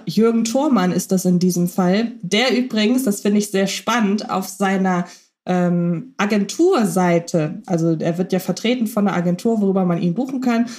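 A woman's voice: medium pitch, darkish tone. A woman co-hosting a podcast about radio plays, chatting casually with many fillers and restarts. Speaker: podcast co-host.

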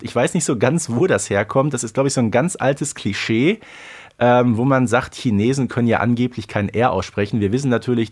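A man co-hosting a podcast, reviewing a radio play in colloquial, emphatic casual chat full of idioms. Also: medium pitch. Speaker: podcast co-host.

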